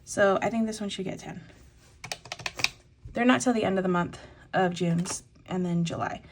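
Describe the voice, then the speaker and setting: A young woman budgeting out loud in a relaxed vlog voice-over, chatty and full of fillers, a little congested from a lingering cough. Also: mid-range voice, moderate pace, noisy background. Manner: chatty, thinks aloud with many fillers. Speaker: budgeting vlogger. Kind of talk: casual voice-over while cash stuffing.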